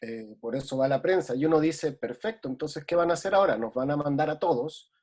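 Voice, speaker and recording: Guy from ecuador talking it over on a call, slightly high, soft husky tone, lots of ehs. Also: expressive, brisk. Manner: reflective, many hesitations. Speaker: guest. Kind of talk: casual conversation.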